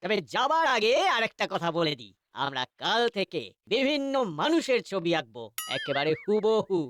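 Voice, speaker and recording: A woman voicing a boastful young cartoon boy who fancies himself an artist, speaking in repetitive, halting phrases. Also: mid-range voice, sing-song, fairly bright tone, a little hiss or hum. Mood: cocky. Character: cocky bragging young boy, would-be artist and schemer. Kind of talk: cartoon voice acting.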